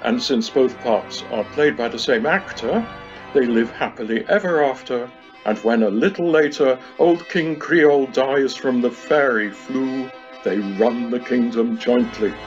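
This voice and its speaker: A man's voice: medium pitch, a little slow, faint music behind, close to an everyday voice. A man playing the storybook narrator of a comic fairy-tale pantomime. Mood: storytelling. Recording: slightly muffled remote recording.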